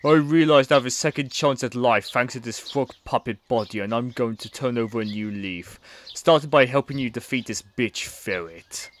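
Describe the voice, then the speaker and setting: A man's voice: mid-range voice, normal speed, close to an everyday voice. A man playing a remorseful male comedian stuck in a frog puppet body in a hobby audio play, speaking earnestly and plainly.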